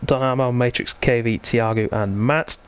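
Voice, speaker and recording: A man's voice: medium pitch, steady tone, normal speed, smooth. A man hosting live esports racing commentary in a chatty, conversational way, bantering with his co-commentator. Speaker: sim racing commentator and host.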